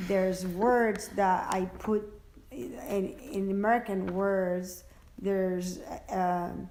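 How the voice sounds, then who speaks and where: Audible room echo surrounds a woman of medium pitch who speaks very slowly with fairly even intonation. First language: French. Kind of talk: interview. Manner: halting, many fillers and repeated words.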